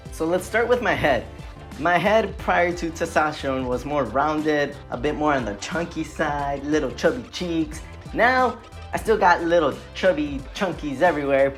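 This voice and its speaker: A young trans man talking casually and reflectively in a vlog update, with many "like" and "um" fillers. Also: fairly high pitch. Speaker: vlogger.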